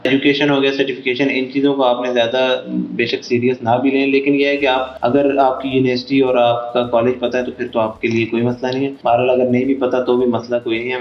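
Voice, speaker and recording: A man's voice: medium pitch, reverberant, dull audio. A Pakistani man with a Pakistani Urdu accent, casually walking viewers through a tutorial as host, often saying "theek hai" and "yaar". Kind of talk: screen-recorded tutorial.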